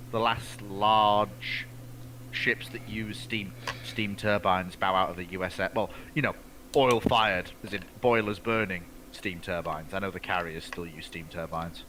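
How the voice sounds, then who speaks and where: A man's voice: on the low side, unhurried, sharp tone, slight background noise, rough recording. A man chatting casually as a co-host in a live discussion.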